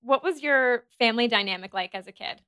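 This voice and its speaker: A woman's voice: on the high side, brisk, sharp tone, smooth. A woman hosting an interview who asks her guest questions in an enthusiastic, affirming way. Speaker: podcast host. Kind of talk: conversational interview.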